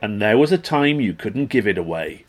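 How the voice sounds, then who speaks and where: A man's voice: on the low side, very animated, moderate pace, music in the background. A man announcing in a tongue-in-cheek mock news style, reading scripted headlines. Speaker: podcast announcer.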